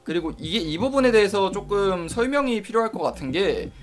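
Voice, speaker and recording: A man's voice: sits high, lively intonation, a little fast. Man rambling on a live stream. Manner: rambling, self-correcting, reasoning aloud; reads and answers viewer chat. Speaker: web novel review streamer.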